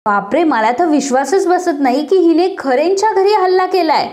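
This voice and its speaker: A woman's voice: very high-pitched, animated, normal speed, a little mellow. A woman voicing a meddling woman who stirs up trouble, sly and gloating, in a serial recap.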